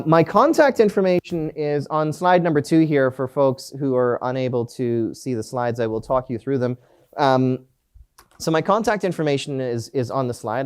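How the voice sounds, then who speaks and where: A man's voice: mid-range voice, a little mellow, clean tone. A middle-aged man from Canada giving a live conference talk, joking at his own expense and often restarting with fillers. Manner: self-deprecating joking, many fillers and restarts. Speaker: conference presenter.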